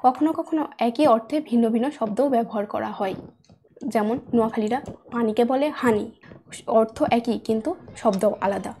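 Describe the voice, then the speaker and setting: Soft-toned woman teaching a lesson. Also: fairly high pitch, a little fast. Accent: standard Bangladeshi Bengali. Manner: explains patiently, repeating points. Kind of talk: classroom lesson narration. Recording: faint background noise with clicks.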